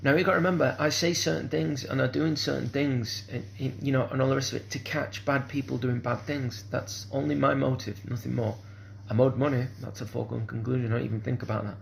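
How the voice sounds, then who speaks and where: Man, middle pitch, gravelly; hesitant rambling monologue with constant restarts. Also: fairly even intonation, a little fast, few pauses, slight background noise. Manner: hesitant, repeats "kind of sort of", restarts often.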